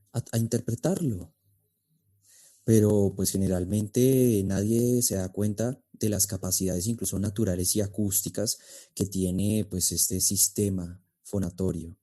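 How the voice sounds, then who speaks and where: Low, very mellow man. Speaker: interview guest, speech and oratory coach. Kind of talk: conversational expert explanation.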